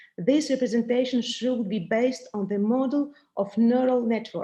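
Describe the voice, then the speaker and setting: A woman with a French accent and a fairly high pitch talks at a fairly quick pace, her tone dark and mellow and her intonation fairly even. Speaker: conference presenter. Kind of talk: academic presentation. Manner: halting.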